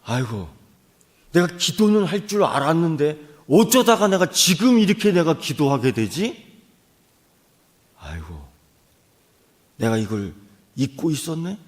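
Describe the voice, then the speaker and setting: A man's voice: fairly high pitch, big pitch swings, unhurried, pauses often. A man voicing a remorseful sixty-five-year-old man who mutters and sighs as he prays alone. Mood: regretful. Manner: muttering, sighing "aigo".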